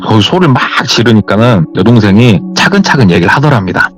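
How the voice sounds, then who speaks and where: A man spinning a true horror tale for a radio show, his voice rising and falling with lively swings. He retells it in a loose, chatty way, full of reported speech. Faint music sits under him. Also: lowish voice, fast. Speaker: horror story narrator.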